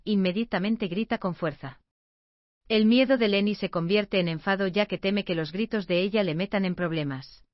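A woman reading a book summary as scripted narration, in an even, measured way. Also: medium pitch, no echo, muffled recording.

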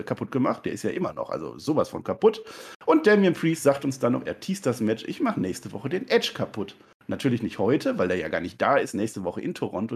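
A man co-hosting a wrestling review podcast, joking and chatty in casual talk. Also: mid-range voice. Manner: joking, quick and animated. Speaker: podcast co-host. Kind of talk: casual chat.

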